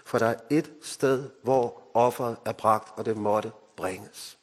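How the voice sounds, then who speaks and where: A man from Denmark preaching a sermon, moving between emphatic lines and hushed, solemn ones. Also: fairly low pitch, fairly even intonation. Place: mission hall. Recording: hall reverb.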